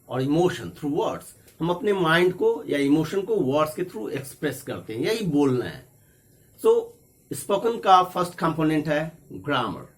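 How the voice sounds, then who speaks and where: A man teaching a spoken English lesson, explaining each point in English and then repeating it in Hindi. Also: fairly high pitch. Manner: slow, deliberate English examples.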